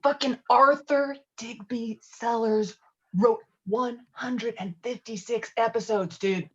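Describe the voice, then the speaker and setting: A woman's voice: fairly high pitch, steady tone, slow pace, highs cut off. A woman playing a brash, foul-mouthed, domineering man in a script table read, talking in a blustering, insistent way. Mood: exasperated, forceful. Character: brash, foul-mouthed, domineering male friend named Walter. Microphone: video call.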